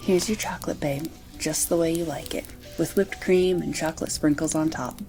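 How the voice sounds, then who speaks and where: A woman's voice: low voice, fairly even intonation, moderate pace, music in the background. A woman playing an affectionate, playful romantic partner in an amateur audio drama, with a cozy, teasing manner. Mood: playful, flirty.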